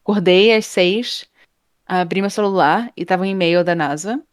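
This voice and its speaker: A woman, a guest in an interview, telling a story in a casual, animated way and acting out the people in it. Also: lowish voice, normal speed, no echo, studio quality. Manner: animated, acts out quoted people, laughs often. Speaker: interview guest, game art professor.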